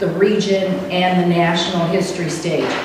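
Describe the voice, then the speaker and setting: In a room with strong echo and light background noise, a woman speaks in a monotone, flat voice at a fairly low pitch. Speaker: host introducing lecturer. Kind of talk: speaker introduction. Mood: warm, appreciative. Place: hall.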